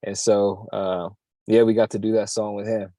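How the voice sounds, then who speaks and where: Earnest worship musician in conversation. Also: male voice, on the low side, little pitch movement, warm tone, dry recording. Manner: earnest, halting, many restarts. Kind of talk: casual interview.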